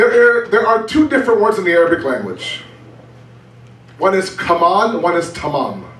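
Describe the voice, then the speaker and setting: A high-pitched man talks at a moderate pace with lively intonation and long, frequent pauses, with audible room echo and noticeable background noise. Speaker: religious lecturer. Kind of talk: religious lecture.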